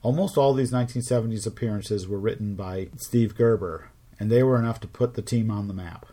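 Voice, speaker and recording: A middle-aged man with a fairly low voice narrates his podcast from a script. He keeps a measured storytelling pace and slips in dry, wry asides. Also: mellow. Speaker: podcast host.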